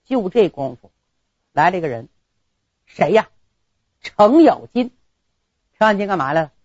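Husky woman telling an old tale. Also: on the low side, sing-song, a little slow, a little mellow, dry recording, lo-fi sound. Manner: dramatic, sound words and asides to listeners. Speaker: storyteller. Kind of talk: traditional storytelling performance.

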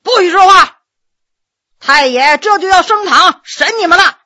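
A woman's voice: very high-pitched, measured pace, bright, forceful tone, voice pushed up, exaggerated voice. A woman voicing a stern male town guard who barks orders, in a storybook reading. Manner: barking orders.

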